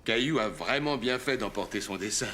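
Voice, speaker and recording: A man playing a kindly, forgetful old grandfather in a children's cartoon, talking gently and patiently. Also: on the low side, lively intonation, a little fast, slight background noise. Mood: warm, playful. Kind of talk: French children's cartoon acting.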